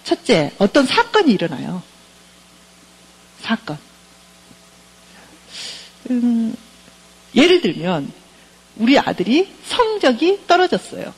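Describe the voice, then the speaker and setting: A woman's voice: a little high, wildly swooping pitch, slow, long pauses, breathy edge, rough recording. A middle-aged woman professor giving a counseling lecture, engaging her listeners by keeping on asking them questions.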